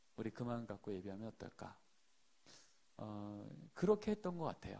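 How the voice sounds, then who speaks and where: This is a man speaking. Dark and mellow describes his tone. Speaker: professor. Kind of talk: lecture. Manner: fast.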